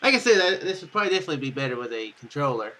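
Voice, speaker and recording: A man giving casual, animated game commentary, with joking asides and bits of dialogue read aloud. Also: fairly high pitch, very fast. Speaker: gaming video host. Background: game music.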